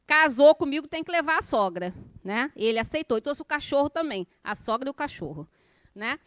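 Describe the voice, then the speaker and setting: High-pitched Brazilian woman lecturing informally. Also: sing-song, fairly quick, fairly bright tone, no echo, clean studio sound. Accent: Brazilian, from Rio. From Rio de Janeiro, Brazil. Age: 40s. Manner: engages listeners with questions and tag checks; conversational, colloquial, personal storytelling. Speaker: spiritist course lecturer.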